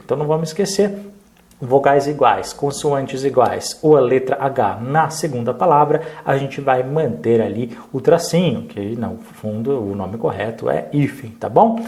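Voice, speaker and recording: A man's voice: medium pitch, darkish tone. Man giving a patient exam review lesson. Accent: Brazilian Portuguese. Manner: explanatory, checks in with frequent tag questions. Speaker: teacher.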